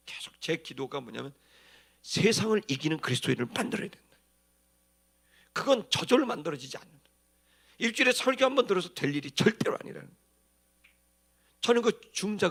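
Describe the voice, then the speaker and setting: A pastor preaches an animated sermon, telling stories in a colloquial, dramatic style and acting out the emphasis. His voice is high and creaky.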